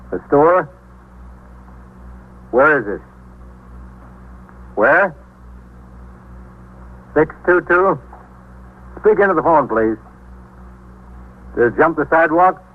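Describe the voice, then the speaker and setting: Brisk desk sergeant on phones. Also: male voice, a little high. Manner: brisk, questioning phone manner. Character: male desk sergeant answering calls, brisk and businesslike. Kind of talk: 1950s radio drama. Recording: tinny lo-fi 1950s radio broadcast.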